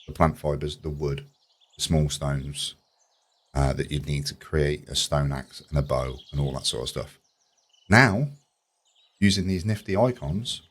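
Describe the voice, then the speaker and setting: A man giving chatty, enthusiastic commentary as a let's play host, slightly croaky from a sore throat. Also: a bass voice. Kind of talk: casual video game commentary.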